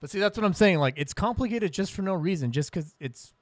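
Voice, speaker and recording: A man's voice: high-pitched, expressive, fast, over loud music. A man, a guitarist and songwriter, chatting casually between riffs, rambling and swearing freely.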